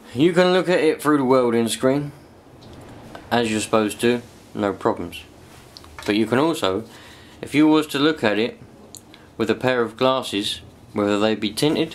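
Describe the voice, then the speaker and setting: With ordinary pitch variation, a man talks at a moderate pace. He leaves long, frequent pauses. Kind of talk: casual tutorial vlog. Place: garage. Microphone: phone near.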